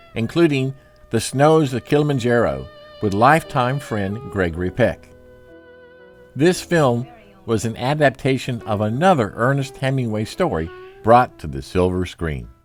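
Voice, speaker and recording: A man talks at a moderate pace, his pitch swinging very widely. Music can be heard in the background. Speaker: documentary narrator. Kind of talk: documentary history narration.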